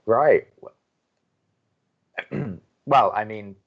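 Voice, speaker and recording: A man's voice: on the low side, extremely slow, dull audio, heavily acted. A man playing a sardonic, awkwardly romantic young college radio co-host with a dry manner, in a scripted audio drama. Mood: flustered.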